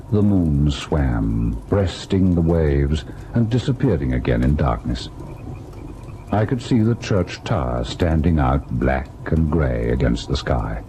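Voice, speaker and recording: A man's voice: very deep voice, dark tone, full character voice. An actor playing a devoted young husband who narrates his ghost encounter in theatrical, literary radio-drama style. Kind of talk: dramatic old-time radio first-person narration. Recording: noisy old radio drama recording.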